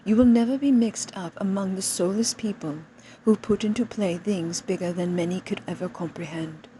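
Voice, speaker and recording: Woman, seance medium in trance: solemn, stilted channeled monologue, dark mellow tone, some background noise. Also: on the low side, low-quality recording. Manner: seance medium speaking as a collective spirit guide, solemn and stilted. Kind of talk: channeled spiritual message, monologue.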